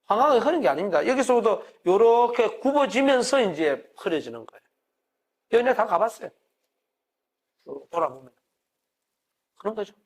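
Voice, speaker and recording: Middle-aged male professor, Gyeongsang accent, high voice, lively pitch, chatty lecture full of questions to the class. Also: normal speed, long pauses. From Gyeongsang region of Korea. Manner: conversational, asks the audience questions and answers them.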